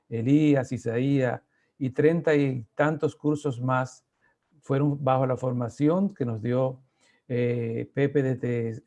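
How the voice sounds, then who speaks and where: A man, a parish host giving a formal welcome in a halting way, with fillers. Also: medium pitch, mellow. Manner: halting, many fillers and restarts. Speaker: parish host introducing the speaker.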